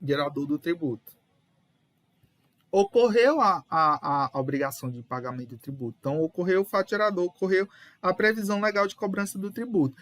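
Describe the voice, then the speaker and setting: A man's voice: high-pitched, a little fast, a bit bright, no echo. A young man explaining a lesson casually and patiently, correcting readers and dropping lots of fillers. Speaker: teacher leading a reading session.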